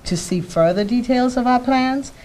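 A woman in her sixties reading a scripted political speech at a podium in a formal, measured way. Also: fairly high pitch, a little mellow. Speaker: politician giving a campaign speech. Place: indoor press conference room at a podium. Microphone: several press microphones on a podium. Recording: clear background room noise.

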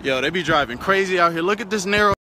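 A man's voice: sits high, expressive, quick pace, noisy background. A young American man with an African American English accent, chatting loosely on a phone at arm's length while cycling on an outdoor road, swearing casually. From United States. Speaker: vlogger. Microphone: phone held at arm's length. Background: passing cars.

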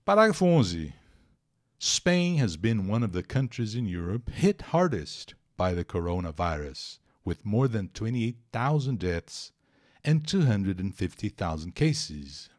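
His voice is on the low side, very animated, and he takes it slowly. A Brazilian-accented English teacher in a live online session, he reads a text aloud, translates it, explains pronunciation and chats with viewers, speaking to them directly.

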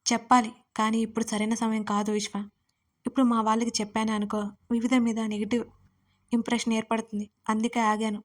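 A woman reading a calm protective young man. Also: on the high side, fast, close to an everyday voice. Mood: earnest.

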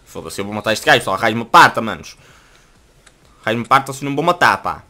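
A young man with a European Portuguese accent, hosting a casual gaming video and yelling and swearing when a fight starts. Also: lowish voice, lively intonation, fast talker.

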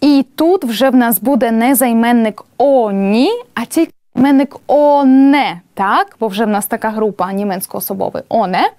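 High-voiced woman teaching patiently. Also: warm tone, no room sound, clean studio sound. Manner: patient, explanatory, slow careful spelling of examples. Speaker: language teacher. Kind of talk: classroom lesson at a board.

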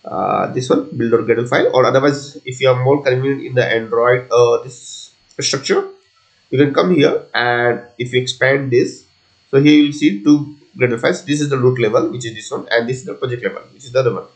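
A man presenting an unscripted software tutorial, talking haltingly as he thinks through each step aloud. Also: medium pitch, low-quality recording. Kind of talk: unscripted screencast coding tutorial.

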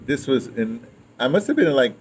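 A man in his seventies, a veteran of audio drama, reminisces casually in an interview, repeating phrases as he tells his stories. His mid-range voice swings hugely in pitch at a moderate pace. He's outdoors on a patio or yard, with clearly noisy ambient sound.

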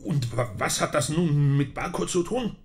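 An actor playing a flustered, reluctant academic sidekick in an audio drama, stammering and fussy, with a creaky voice. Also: male voice, on the high side, lively intonation, normal speed, a little mellow, a little hiss or hum, natural voice. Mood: reluctant, uneasy. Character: flustered, reluctant male academic, the hero's best friend. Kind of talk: German audio drama acting.

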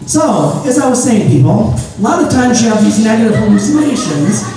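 A man's voice: sits high, big pitch swings, normal speed. A man performing as a stage hypnotist, playfully questioning his volunteers during a live show. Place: small theater stage. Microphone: handheld mic. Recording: echoey theater audio from far off with music.

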